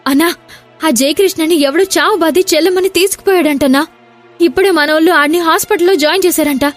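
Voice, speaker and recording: A woman's voice: extremely high pitch, fairly quick, soft background music, voice pushed up. A woman voicing a nervous young male street thug who reports bad news fearfully. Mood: frightened. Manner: fearful, stammering.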